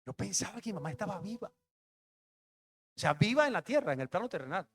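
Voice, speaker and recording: This young adult man, a pastor, has a high, fairly bright voice with big pitch swings and a fast delivery. His sermon is a personal testimony told conversationally and emotionally, laced with street slang.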